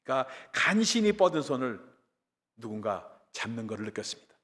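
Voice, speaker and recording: A man's voice: medium pitch, sing-song, fairly quick. Dramatic male pastor in an echoey church. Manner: storytelling, dramatic swings in loudness. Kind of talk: sermon.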